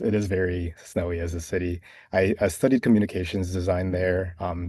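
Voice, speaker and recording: A man's voice: low-pitched, mellow, no echo, studio quality. A man introducing himself on a video call panel in an easygoing, playful way. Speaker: panelist, product designer. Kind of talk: casual self-introduction.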